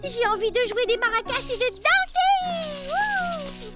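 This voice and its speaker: A woman voicing an excitable, sweet and polite little girl in a French children's cartoon dub. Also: very high-pitched, slow pace. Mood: excited. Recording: music under the voice.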